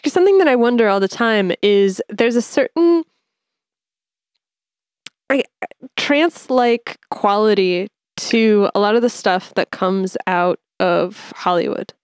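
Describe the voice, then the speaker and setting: A woman's voice: medium pitch, a little slow, clear, resonant tone, no room sound. A woman interviewer asking curious questions and explaining history in a casual conversation.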